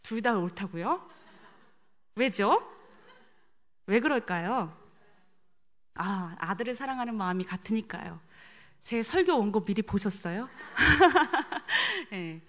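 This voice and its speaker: A woman's voice: medium pitch, animated, slow pace, pauses often, fairly bright tone. A middle-aged woman preaching a sermon. She tells a personal story and asks the congregation questions.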